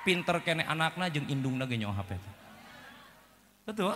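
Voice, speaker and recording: A man with a Sundanese accent preaching a comic sermon, swinging between chanted verses, shouted warnings and low joking asides. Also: sing-song, moderate pace. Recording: hall reverb, faint background noise.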